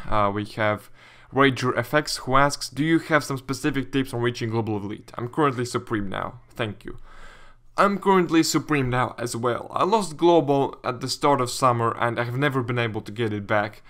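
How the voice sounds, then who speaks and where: Young male YouTube gamer, Latvian accent, mid-pitched voice, casual Q&A delivery. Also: normal speed, a bit bright. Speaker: YouTube gaming commentator. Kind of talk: casual Q&A commentary reading viewer questions.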